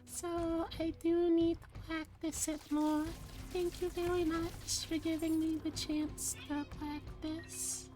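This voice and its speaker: A high, cute anime streamer girl played by a woman, soft and small in voice. She speaks slowly and politely as a livestream character, with faint music underneath. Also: flat delivery. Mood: sweet, polite.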